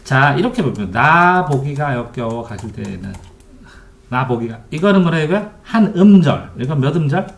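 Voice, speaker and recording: A man's voice: mid-range voice, big pitch swings, normal speed. A middle-aged man tutoring Korean literature online, explaining terms and quizzing his students with repeated questions. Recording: echoey room, keyboard typing behind.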